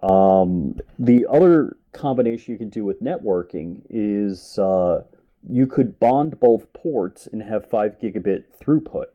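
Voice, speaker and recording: A man's voice: lowish voice, lively intonation, a little slow, dull audio. A man co-hosting a casual tech chat, thinking aloud and hesitant while he looks things up.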